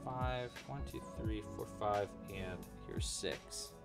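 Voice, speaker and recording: A man's voice: fairly low pitch, slow, vocal fry, over loud music. A young man hosting a casual livestream crochet tutorial from a home studio. He chats with viewers, thanks donors and counts his stitches aloud as he works.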